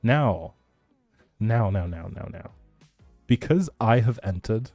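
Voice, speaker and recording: A man's voice: on the low side, lively intonation, slow pace, darkish tone, no echo, faint music behind. A man hosting a livestream in a chatty, rambling, informal way, as if talking casually with viewers. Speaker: livestream host. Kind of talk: casual livestream chat, giveaway announcing.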